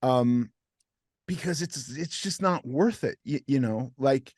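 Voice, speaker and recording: A middle-aged male host speaks in a dry, close recording. He talks haltingly in a casual interview and stumbles over repeated words as he begins his points. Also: mid-range voice, a little mellow, no echo. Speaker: podcast host.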